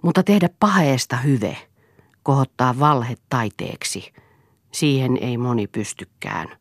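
A woman's voice: rumbling low, animated, no echo, clean studio sound, exaggerated voice. A woman reading a sneering bitter husband. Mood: scornful. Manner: sneering, provoking. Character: bitter, scornful middle-aged husband.

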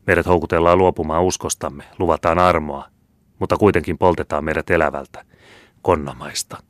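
Guy reading as a bold young soldier, brisk and firm, very deep and dry. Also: steady tone, dry recording. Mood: urgent.

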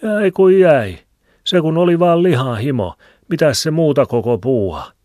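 A man's voice: on the high side, expressive, mellow, dry recording, voice pushed up, close to an everyday voice. A man voicing a stubborn, grumbling old village shoemaker with a rambling, folksy way of talking, in a dry close recording. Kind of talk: audiobook reading. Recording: dry close studio sound.

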